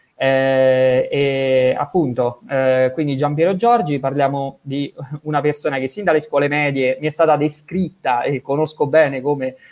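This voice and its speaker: In a plain, everyday voice, a man speaks at a moderate pace with a fairly high pitch and fairly even intonation. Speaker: event moderator. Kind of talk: book presentation.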